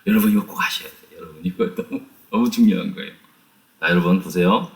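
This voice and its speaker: A man with a deep, creaky voice speaks at a quick pace while teaching a lively Bible study. He retells the story with plenty of rhetorical questions and speaks directly to his listeners.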